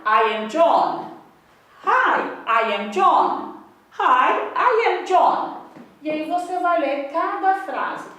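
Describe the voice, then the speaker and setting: High-voiced Brazilian woman coaching teachers. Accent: Brazilian Portuguese. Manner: lively, models English drills aloud with varied intonation. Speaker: English teacher trainer. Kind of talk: instructional talk to teachers. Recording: echoey room, voice from a distance.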